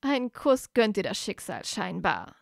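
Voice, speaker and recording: A woman's voice: mid-range voice, very animated, unhurried, vocal fry, dry recording, clean studio sound. A woman doing a hot-headed young wizard friend. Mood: urgent. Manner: urgent, pushy.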